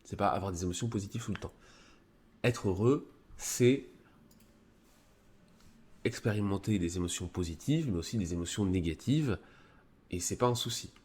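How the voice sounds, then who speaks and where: A man with a deep, low voice talks through a psychology article on his live stream. He has a cold. He speaks casually and hesitantly, full of fillers and restarts. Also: normal speed, pauses often, darkish tone. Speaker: streamer presenting a psychology review.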